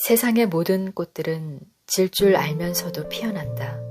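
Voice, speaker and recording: A woman's calm tone at a very slow pace, with music in the background. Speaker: audiobook narrator. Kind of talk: audiobook reading, sleep-time book narration. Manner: soft, calm, slow.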